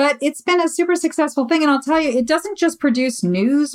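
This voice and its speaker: Talking at a very fast pace, a woman speaks with a New York accent. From New York, Long Island. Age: 50s. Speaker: writer and newspaper publisher. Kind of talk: casual interview.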